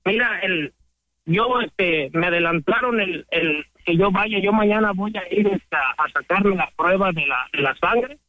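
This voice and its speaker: A man with a Mexican accent talking casually with his mother on the phone, hesitant and filling his pauses. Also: high-pitched, no echo, phone-quality sound. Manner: hesitant, fills pauses with "este". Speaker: father calling his mother.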